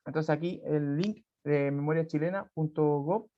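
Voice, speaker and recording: A man's voice: fairly high pitch, normal speed. A Chilean male teacher reading and explaining a folk tale in an online class, chatty, full of tag questions and restarts. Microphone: video call. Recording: dull lo-fi video call audio.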